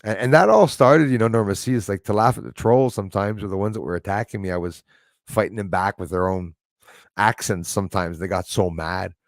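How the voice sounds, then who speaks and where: A man's voice: lowish voice, a little fast, no echo, clean studio sound. A man from Quebec with a Quebec English accent, hosting a casual livestream and rambling through chat with lots of fillers. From Quebec, Canada. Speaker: livestream host reading chat.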